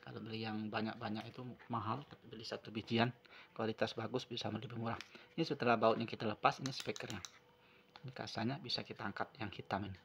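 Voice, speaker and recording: A man's voice: on the low side, fairly even intonation, fast, creaky, fairly bright tone, a little hiss or hum. A man narrating an unscripted hands-on repair tutorial, explaining step by step and often repeating himself. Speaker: phone repair tutorial presenter. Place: at a wooden table indoors.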